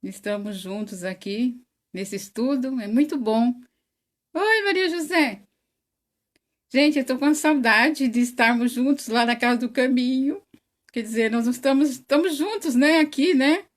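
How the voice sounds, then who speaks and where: Slow-talking Brazilian woman hosting a livestream. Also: high-pitched. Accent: Brazilian Portuguese. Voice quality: says she has a very loud voice. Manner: greets viewers one by one by name, laughs often, slow and chatty. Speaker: host of an online spiritist study. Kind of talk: casual livestream chat.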